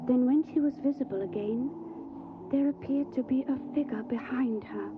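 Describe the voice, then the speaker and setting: A woman's voice: sits high, moderate pace, lightly acted. An actress playing an earnest, caring young Victorian lady in an audio drama, with a proper and solicitous manner. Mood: anxious narration. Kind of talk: audio drama acting and diary narration. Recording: phone-like, faintly noisy audio.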